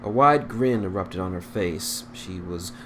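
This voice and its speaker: A man with a low voice narrates a story in an amateur read-aloud style. He occasionally stumbles and repeats a phrase, and there is clear noise in the recording. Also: measured pace, a bit bright. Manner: stumbles over words and rereads phrases. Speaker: fan fiction reader.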